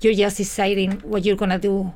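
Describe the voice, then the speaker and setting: Spanish-accented woman, interview guest, halting English, mid voice. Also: medium pitch, little pitch movement, a little mellow. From Spain, Madrid. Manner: searches for English words, many restarts. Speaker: flamenco dancer. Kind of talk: casual interview chat.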